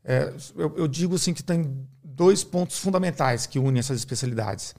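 A middle-aged Brazilian man, a neurologist, explaining his field in a measured, teaching way on a podcast, often tagging his sentences with a questioning aside. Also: a little high, animated, creaky, darkish tone. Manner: measured, didactic, uses many "né?" tags. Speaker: neurologist guest.

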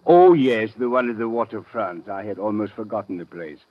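An actor playing a smooth, evasive foreign businessman with formal, stilted phrasing in a 1950s radio drama. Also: on the low side, animated, brisk, dry recording, lightly acted. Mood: suave, guarded. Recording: dull, dry vintage radio recording.

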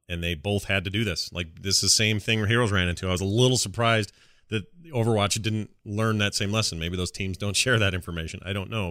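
A man hosts a gaming podcast in casual talk. His voice sits on the low side but has a bright, forward edge. The sound is very dry, with hardly any room in it. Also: dry recording. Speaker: podcast co-host.

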